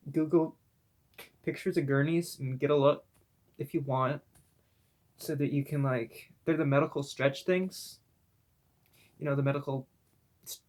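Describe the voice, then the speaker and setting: A man's voice: fairly high pitch, darkish tone. A man reading a creepypasta aloud in a put-on spooky voice, breaking off for sarcastic comments to the listener. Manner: sarcastic asides mid-reading; deliberately drawn-out spooky delivery. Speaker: creepypasta reader. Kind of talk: mock-spooky comedic story reading.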